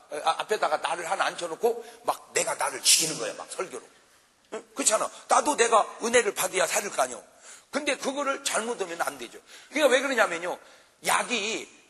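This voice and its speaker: Animated male pastor, lively high voice. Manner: animated, jokes and acts out quarrels for the congregation. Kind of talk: revival sermon. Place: large church revival meeting. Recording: live hall reverb.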